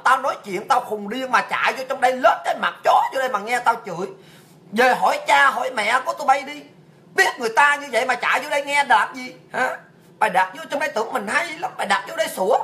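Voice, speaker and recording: A woman from Vietnam, her voice sitting high with a fairly bright tone, rants during her livestream show. She mocks and abuses her target, firing off rhetorical question after rhetorical question.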